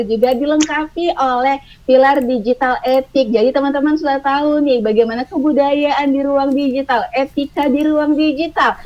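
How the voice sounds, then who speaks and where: A woman moderating a webinar, thanking the speaker and addressing the audience in an upbeat way. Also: high voice. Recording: dull lo-fi call audio.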